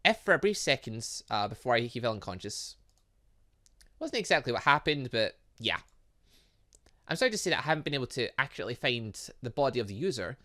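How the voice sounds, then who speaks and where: Animated, bright-voiced man doing a let's play. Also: mid-range voice, a little fast. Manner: stumbles over long words, chatty asides. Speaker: gaming channel host. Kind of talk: let's play, reading game dialogue aloud with commentary.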